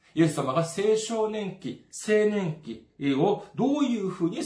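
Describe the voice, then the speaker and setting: High-pitched male speech with lively intonation, amid noticeable background noise. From South Korea, Seoul. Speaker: pastor. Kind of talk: sermon. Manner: formal.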